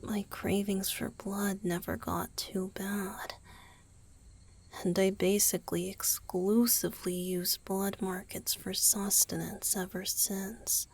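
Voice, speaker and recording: Woman to play young male vampire boyfriend, wistful and tender, ASMR roleplay. Husky, breathy whisper with crackly fry, hesitant confessional delivery. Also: mid-range voice, full character voice. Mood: ashamed, fearful.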